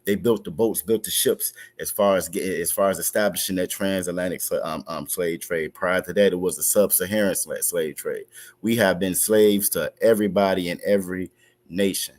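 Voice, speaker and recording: A man teaching an online religious class over a video call, halting, with many fillers and restarts. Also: low-pitched, fairly even intonation.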